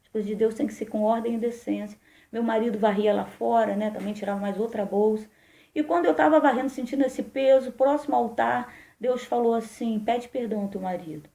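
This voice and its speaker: Woman pastor, Brazilian Portuguese accent, mellow tone, echoey room, sermon testimony. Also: on the high side, steady tone, a little fast, gravelly. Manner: emotional storytelling, addresses listeners as brothers.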